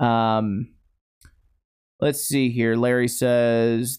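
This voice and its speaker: A man talks with an American accent. His pitch sits in the medium range. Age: 30s. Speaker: podcast host. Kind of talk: live-stream commentary. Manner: casual with many fillers.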